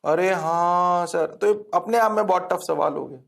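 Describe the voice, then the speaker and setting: A man's voice: high voice, normal speed, vocal fry. A man teaching a physics lecture, playful, chanting formulas and answering himself in a mock student voice. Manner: sing-song repetition of formulas. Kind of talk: classroom lecture.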